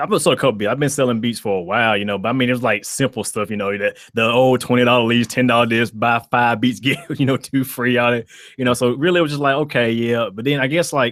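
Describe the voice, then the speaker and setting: A man speaks with a Southern accent at a very fast pace. He leaves hardly any pauses. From US South, small town in South Carolina. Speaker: music producer. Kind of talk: interview. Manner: halting, many fillers.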